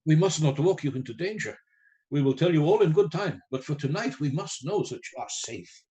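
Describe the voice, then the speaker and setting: A somewhat high-pitched, courteous professor and vampire hunter in a radio play, acted by a man. He speaks formally and with authority, grave and carefully phrased. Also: lively intonation, a little fast, mellow, close to an everyday voice, poor audio. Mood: firm, concerned. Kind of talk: live radio play acting.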